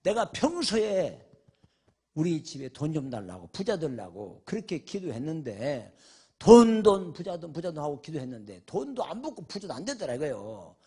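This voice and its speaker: An older male pastor preaching a revival sermon, telling a story dramatically, swinging from shouted questions to a hushed murmur. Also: a little high, big pitch swings, moderate pace, slightly rough.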